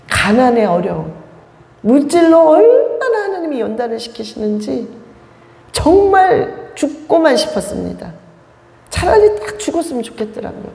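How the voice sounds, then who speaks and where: A middle-aged woman with a high, gravelly voice gives an emotional church testimony. She acts out the voices of people in her story. Her voice rings with the long reverb of a church hall. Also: mellow. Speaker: gospel singer giving testimony.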